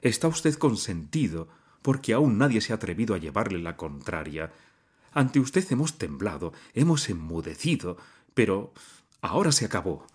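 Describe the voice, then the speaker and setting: A man's voice: lowish voice, big pitch swings, normal speed, husky. A man reading aloud and voicing an angry young male student who confronts his father in heated, impassioned outbursts. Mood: furious.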